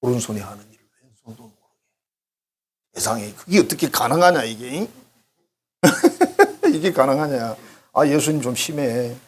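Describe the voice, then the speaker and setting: A man's voice: medium pitch, fairly quick, pauses often, breathy edge. A middle-aged male pastor, preaching a sermon in a chatty, joking way and acting out small dialogues. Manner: conversational, joking, acts out little dialogues. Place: church sanctuary.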